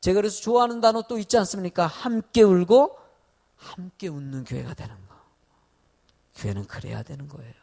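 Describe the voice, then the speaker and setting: High, gravelly-voiced male pastor preaching. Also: animated, a little fast, mellow. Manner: peppers talk with questions to the congregation. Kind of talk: sermon.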